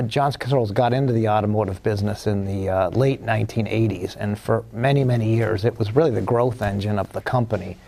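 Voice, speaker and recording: A man's voice: on the low side, gravelly, darkish tone. A man being interviewed as a company executive, answering at length with many fillers and restarts.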